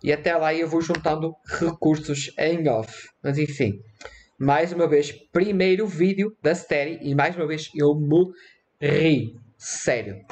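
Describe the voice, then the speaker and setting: Excitable European Portuguese gaming man. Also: a little high. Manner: excitable, repeats his phrases, quick panicky outbursts. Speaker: gaming YouTuber. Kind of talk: casual let's-play commentary.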